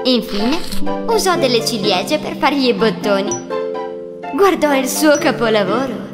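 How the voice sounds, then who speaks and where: Storybook narrator, a woman, high, animated, expressive, over music. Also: a little slow. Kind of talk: scripted children's story narration.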